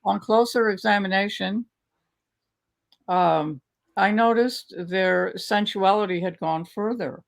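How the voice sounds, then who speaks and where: An older woman reading her own memoir aloud over a video call from a home study, with a measured, unhurried storytelling manner. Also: medium pitch, creaky. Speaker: author reading her work. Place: home study lined with bookshelves. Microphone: video call webcam.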